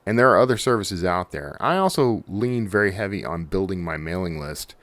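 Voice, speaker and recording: A man's voice: deep voice, expressive, a little fast, fairly bright tone, no echo. A man hosting a podcast, chatting casually and conversationally to his listeners with jokey asides. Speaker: podcast host.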